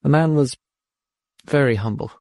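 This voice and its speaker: Measured man narrating a story, dry studio sound. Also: medium pitch, a little mellow, no echo. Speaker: audiobook narrator. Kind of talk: scripted narration of a science fiction short story.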